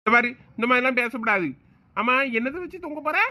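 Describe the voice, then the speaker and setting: A man playing a soft-hearted village father who coaxes and defends his daughter. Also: very high-pitched, animated, fast talker, exaggerated voice. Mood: coaxing. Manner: coaxing, pleading. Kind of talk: comedy skit acting.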